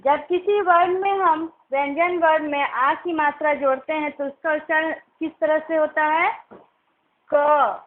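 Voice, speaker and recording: A woman teaching young children, slowly and patiently sounding out syllables and simple words. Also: high-pitched, steady tone. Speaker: primary school teacher. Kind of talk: recorded online class lesson. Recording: tinny phone-like recording.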